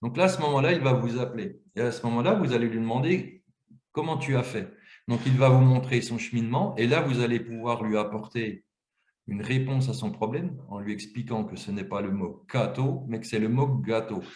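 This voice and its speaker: A man's voice: medium pitch, a little fast, a little mellow. A man presenting a webinar, explaining an app step by step. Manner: explanatory, walks through screens step by step. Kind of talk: webinar software demonstration. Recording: roomy, echoey webinar audio.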